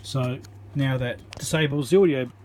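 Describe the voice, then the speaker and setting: An electronics repair presenter talking casually as he works at his home workbench, thinking aloud with frequent ums and pauses. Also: mid-range voice, a little mellow, a little hiss or hum. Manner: thinks aloud with many ums, counts into the mic.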